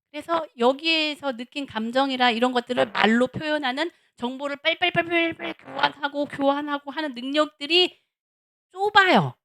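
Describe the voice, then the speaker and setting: A middle-aged woman, a seminary professor, giving a lively lecture on marriage at a church, acting out little dialogues and repeating words for emphasis. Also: high-pitched. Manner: animated, acts out little dialogues of husbands and wives.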